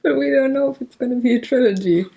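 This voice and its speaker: A German-accented woman hosts a board game chat show with a fairly high voice. She talks casually and playfully, laughs easily and pokes fun at herself. She is fighting off a cough. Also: fast talker, creaky, dark tone. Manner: playful, laughs often, self-mocking. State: coughing, using cough drops. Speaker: podcast host.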